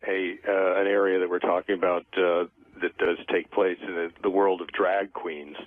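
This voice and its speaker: Low-voiced man on a thin phone line. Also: flat delivery, moderate pace, no echo. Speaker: show guest. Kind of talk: radio interview.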